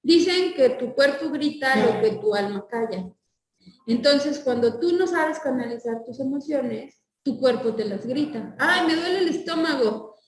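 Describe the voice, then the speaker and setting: A woman's voice: high-pitched, lively intonation, measured pace, reverberant, far from the mic, rough recording. A woman teaching a class, lecturing and asking her students questions before answering them herself.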